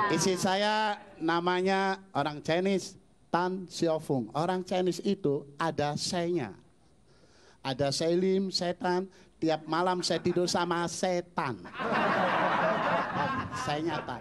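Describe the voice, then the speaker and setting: A pastor performing stand-up comedy, telling self-mocking jokes in a deadpan way. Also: male voice, on the high side. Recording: live stage with loud audience.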